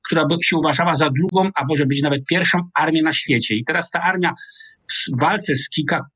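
A man in his sixties with a Polish accent, a military analyst explaining at a measured pace over a video call from a small home office. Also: on the high side, fairly bright tone, slightly rough, no room sound. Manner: measured, explanatory, restarts mid-word. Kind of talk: analytical interview commentary. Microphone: video call webcam.

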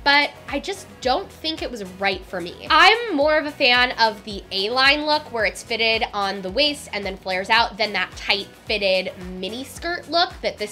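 A young woman vlogging a clothing try-on haul in a bubbly, chatty way, her voice a little raspy from a recent strep throat. She talks to a camera in a small decorated room. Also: on the high side, sharp tone. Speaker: fashion vlogger. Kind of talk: upbeat try-on haul vlog.

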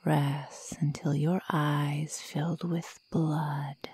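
A woman's voice: low-pitched, level tone, warm tone, exaggerated voice. Woman playing a sadistic whispering werewolf girl. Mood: soft menace. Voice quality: breathy. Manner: whispered, slow, menacing, mockingly sweet. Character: sadistic female werewolf toying with human prey. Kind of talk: ASMR roleplay.

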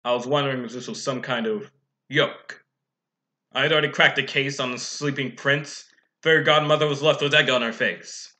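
A young man acts out a hard-boiled private-eye egg in a noir detective monologue. The voice is forceful and bright at a middling male pitch. The delivery is wry, world-weary and theatrical, with phrases drawn out for drama. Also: natural voice. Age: young adult. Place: small room indoors.

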